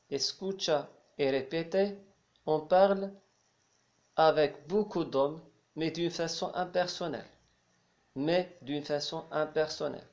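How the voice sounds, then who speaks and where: A man teaching a language lesson, explaining slowly and repeating each phrase with some hesitation. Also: fairly high pitch. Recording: dull lo-fi sound.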